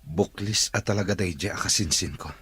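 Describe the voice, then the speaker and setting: A tired rich boss guy in a radio serial, deep husky voice. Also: fairly quick, pushed and bright, heavily acted. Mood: suspicious, bitter. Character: weary, discouraged rich male boss in a wheelchair. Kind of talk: Ilocano radio drama acting.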